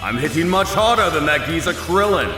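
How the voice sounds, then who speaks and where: An actor playing a proud, self-assured cartoon fighter, theatrical and declamatory. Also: male voice, on the high side, lively intonation, brisk, natural voice. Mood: calculating, confident. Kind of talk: cartoon voice acting. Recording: music under the voice. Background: music.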